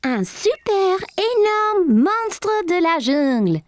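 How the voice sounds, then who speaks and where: A woman's voice: very high-pitched, sing-song, slow, no echo, clean studio sound, exaggerated voice. A woman voicing an inventive, playful little girl in a children's cartoon dub, with an eager way of talking. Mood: playful, excited.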